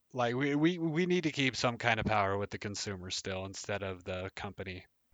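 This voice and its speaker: With lively intonation, a plain, everyday voice talks at a moderate pace. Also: man. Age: 30s. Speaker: podcast co-host. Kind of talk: casual chat.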